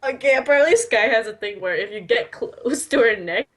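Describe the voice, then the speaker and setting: A woman's voice: on the high side, animated, brisk. A woman casually reading amateur fan fiction aloud, giggly and teasing with joking asides. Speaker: story reader.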